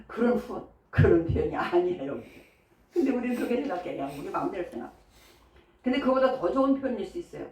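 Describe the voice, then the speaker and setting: A woman pastor delivers a chatty sermon in a medium-pitched, darkish voice, speaking fast with lively intonation and often asking the congregation questions. She is in a church sanctuary, recorded from far off in an echoey hall.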